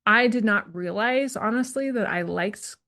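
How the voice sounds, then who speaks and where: A woman's voice: mid-range voice, unhurried, bright, forceful tone. A woman hosting her own solo career podcast, talking in a chatty, candid way with many asides and fillers. She calls herself a bit introverted. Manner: self-described introvert. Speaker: podcast host and career coach.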